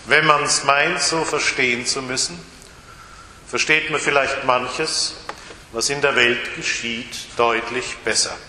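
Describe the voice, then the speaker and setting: Male pastor, bright voice, slow sermon, big church reverb. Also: medium pitch, steady tone, slight background noise. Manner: slow, storytelling delivery. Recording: echoey church hall.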